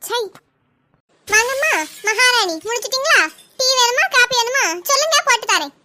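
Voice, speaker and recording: A woman's voice: extremely high pitch, fast talker, sharp tone. A woman doing a scolding, mocking mother-in-law. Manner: mocking, scolding, self-pitying wails. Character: sharp-tongued older Tamil mother-in-law. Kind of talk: comic family skit.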